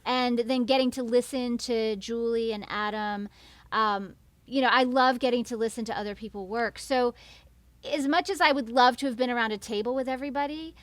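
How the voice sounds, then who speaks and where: An American woman with a fairly high voice chats as an interview guest. She is expressive and enthusiastic, and the sound is dry with no room echo. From New York. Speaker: guest, voice actor. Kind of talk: casual interview chat.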